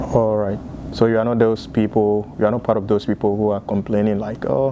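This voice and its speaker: Over noticeable background noise, a man with a Nigerian accent speaks at a medium pitch with monotone, flat intonation. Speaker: online show host. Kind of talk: interview.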